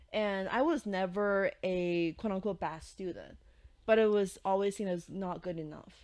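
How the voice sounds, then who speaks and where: This is a plain, everyday voice of a woman at medium pitch with fairly even intonation. She talks at a fairly slow pace over a quiet background. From China, then US from age ten. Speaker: podcast host. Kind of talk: casual chat.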